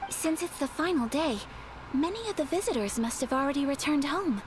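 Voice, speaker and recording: A woman voicing a gentle, polite young noblewoman in a video game, soft-spoken and formal. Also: high-pitched, expressive, brisk, very noisy. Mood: calm. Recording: game audio with background music.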